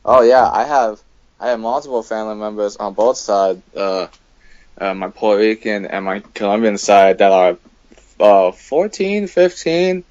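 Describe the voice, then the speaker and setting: A man's voice: on the low side, a little slow, a little mellow, no echo. A man from the United States, a guest in a casual conversation, who talks hesitantly with many fillers and gives blunt opinions. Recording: dull, dry lo-fi sound.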